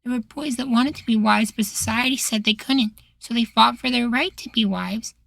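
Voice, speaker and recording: A man voicing a cheerful, naive young boywife in an intimate ASMR roleplay, soft, doting and chatty. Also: very high voice, normal speed, gravelly, no room sound, heavily acted. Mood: musing.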